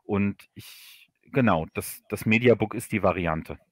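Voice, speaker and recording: A guest author of audio dramas from Hesse, Germany, chats casually in a livestream interview, often repeating words while he thinks. His voice is lowish and unhurried, with no room sound.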